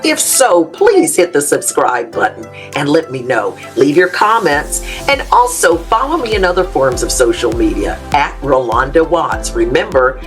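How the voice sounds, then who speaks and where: A woman speaking directly to viewers with an upbeat, emphatic promotional delivery. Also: deep voice. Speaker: show host.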